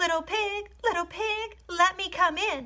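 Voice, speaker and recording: A woman puts on a character voice with an extremely high pitch, squeaky yet growling. She talks at a fairly slow pace. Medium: read story. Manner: sly, growling.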